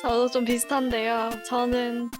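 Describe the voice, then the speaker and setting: Higher-voiced woman chatting over music. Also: little pitch movement, moderate pace. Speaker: podcast host. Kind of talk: casual group chat. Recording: music playing behind the talk. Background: background music.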